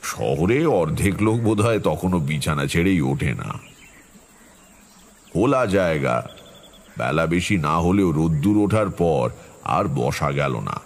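An actor playing a brooding tantric storyteller, narrating an eerie village tale in a measured, dramatic way. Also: male voice, very deep voice, expressive, breathy edge, full character voice. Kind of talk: dramatic first-person horror narration.

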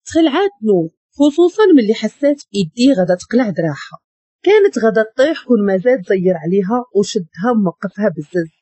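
A woman with a Moroccan accent narrating a dramatic story in an expressive reading. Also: mid-range voice, fast talker, slightly rough, no echo. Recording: dull lo-fi dry recording.

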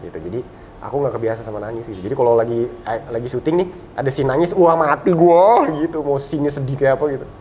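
A man in his thirties, a talk show guest, telling a personal story in a relaxed, reflective way and going soft and low on sad memories. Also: racing, slight background noise. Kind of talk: casual conversational storytelling.

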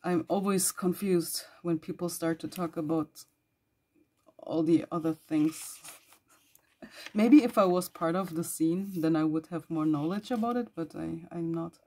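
A woman with a hoarse, worn voice who is losing it, chatting casually while flipping through her journal and clearing her throat often. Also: lowish voice, unhurried, darkish tone. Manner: rambling, chatty with small laughs and throat clearing. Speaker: journal vlogger.

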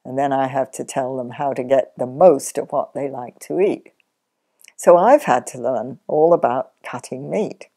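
An older woman sheep farmer, chatty and practical, explaining her farm work step by step in a relaxed interview at home. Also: rumbling low, a little slow. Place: sunlit living room, in an armchair.

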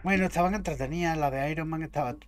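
A man's voice: a little high, very fast, a little hiss or hum. A man from Spain with a Spanish accent, chatting casually and swearing freely as he comments on his gameplay. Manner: chatty, swears freely, bursts out loudly at surprises. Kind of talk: casual let's-play commentary.

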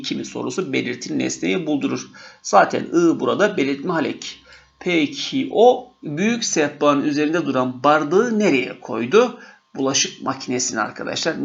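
A man's voice: on the high side, gravelly, fairly bright tone. A man teaching a grammar lesson for exam preparation, patiently asking questions and answering them himself. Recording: dull lo-fi recording.

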